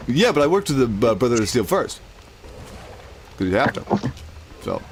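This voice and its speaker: A man's voice: medium pitch, sing-song, moderate pace, noisy background. A man hosting a gameplay stream, joking with friends while he plays. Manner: joking, distracted while playing. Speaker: host playing a video game. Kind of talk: casual gameplay chat with friends.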